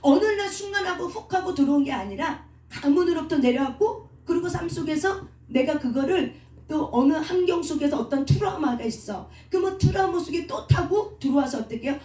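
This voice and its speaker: A woman's voice: high voice, dark tone. A woman pastor preaching a sermon who keeps asking the congregation questions and answering them herself. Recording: echoey room, voice from a distance.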